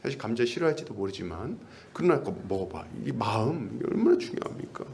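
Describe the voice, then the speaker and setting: A man's voice: medium pitch, very animated, fast talker, creaky, darkish tone, slight background noise. A pastor preaching a sermon in a conversational way, asking his congregation questions and acting out little bits of dialogue.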